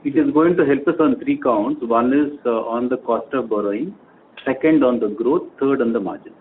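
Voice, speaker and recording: A man's voice: medium pitch, moderate pace. An Indian-accented man answering questions as a company executive on an earnings call. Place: telephone conference call. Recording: tinny phone line with faint noise.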